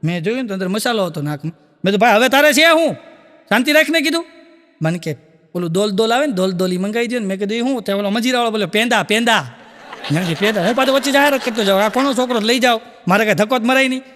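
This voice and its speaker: A man with a high voice does stand-up, racing through anecdotes and acting out the dialogue. His voice carries the long reverb of a live hall. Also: fairly bright tone. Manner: rapid anecdotal storytelling with acted dialogue. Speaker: stand-up comedian. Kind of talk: Gujarati stand-up storytelling.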